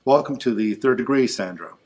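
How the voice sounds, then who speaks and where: A man's voice: mid-range voice, fairly quick, darkish tone. A man with a mid-range voice hosts an interview show. He addresses his guest and the audience in a formal, orderly style.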